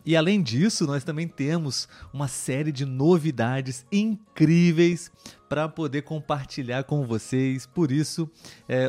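A Brazilian man hosting a live podcast for learners of Portuguese, welcoming listeners with many fillers and pauses. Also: a little high, a little mellow. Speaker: podcast host and Portuguese teacher.

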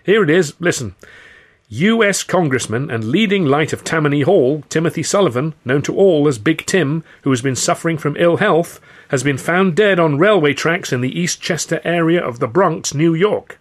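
A man's voice: a little high, expressive, normal speed, voice pushed up. A man voicing a frightened music-hall comedian in an audiobook, flustered, wordy and eager to please. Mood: earnest, placating. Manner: gulping, flustered, placating, wordy. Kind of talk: audiobook character dialogue.

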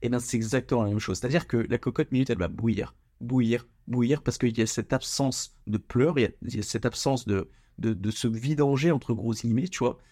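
A man's voice: mid-range voice, a little fast, few pauses, darkish tone. Casual young man ranting. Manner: informal, slangy, stumbles and repeats words. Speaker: podcast host. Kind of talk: casual solo podcast rant.

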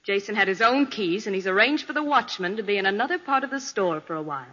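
An actress playing a cold, commanding thief with an imperious, menacing manner in 1940s radio drama. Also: female voice, mid-range voice, lively intonation, quick pace, a bit bright. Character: cold, commanding female thief holding a gun. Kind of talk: 1940s radio villain acting. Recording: dull, echoing vintage radio recording.

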